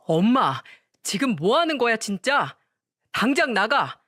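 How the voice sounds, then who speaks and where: A woman's voice: on the high side, big pitch swings, unhurried, a bit bright, dry recording, studio quality, heavily acted. Woman reading a worn-out grown son. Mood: annoyed. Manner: tired, exasperated. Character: weary adult son and husband, fed up.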